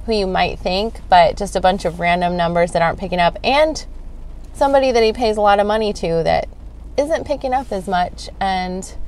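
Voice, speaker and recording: Explaining things step by step, a true crime channel host offers viewers informal commentary as she goes through the figures. She speaks at normal speed in a mid-range, slightly dark voice with lively intonation.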